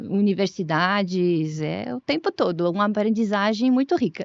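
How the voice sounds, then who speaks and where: Her pitch medium, a woman talks at a fairly slow pace. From France. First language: French (speaking Portuguese). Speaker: geosciences professor. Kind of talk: interview.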